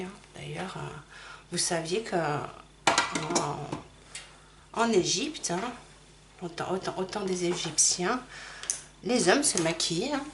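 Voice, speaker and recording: A middle-aged woman talks her viewers through a makeup tutorial in a relaxed, chatty way. She keeps apologizing for small slips, and faint clicks and handling noises come from behind her. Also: lowish voice, background noise. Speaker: makeup vlogger. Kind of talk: casual makeup tutorial chat.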